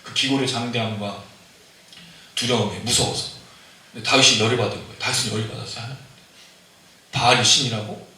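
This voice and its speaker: Male pastor, sermon, animated and questioning, bright voice, very echoey hall. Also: mid-range voice. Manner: conversational, asks the congregation questions, animated. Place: church sanctuary. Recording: very echoey hall, mic at a distance.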